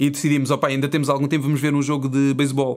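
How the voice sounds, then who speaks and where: On a very clean recording with a silent background, a man with a European Portuguese accent talks at a fairly high pitch and a fairly quick pace. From Portugal. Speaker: traveller. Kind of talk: casual chat. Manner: animated.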